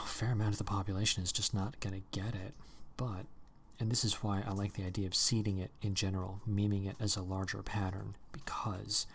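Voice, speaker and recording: A man's voice: on the low side, creaky, a little hiss or hum. A man hosting a livestream in casual chat, rambling and casually profane. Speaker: livestream host.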